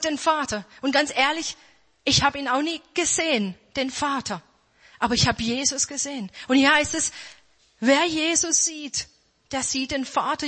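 High-voiced woman preaching in a hall. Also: sharp tone. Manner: emphatic, repeats key phrases, slows down for quoted verses. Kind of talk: sermon. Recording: reverberant hall.

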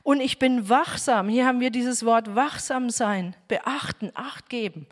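Woman, bible teaching talk, earnest, direct address, fairly high voice, reverberant room. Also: a little slow. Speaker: house group teacher. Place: room with a home group.

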